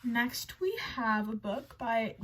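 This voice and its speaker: A woman's voice: a little high, lively intonation, takes it slowly, fairly bright tone, a little hiss or hum. A young woman showing off a haul, chatting casually in a bubbly, rambling way with many restarts. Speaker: book vlogger.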